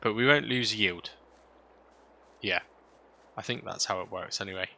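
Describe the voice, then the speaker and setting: Low, bright-voiced British man, chatty gaming commentary. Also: normal speed, vocal fry. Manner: chatty, self-questioning with tag questions. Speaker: gaming video host. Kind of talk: casual gameplay commentary, thinking aloud. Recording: noisy, vehicle-like engine ambience.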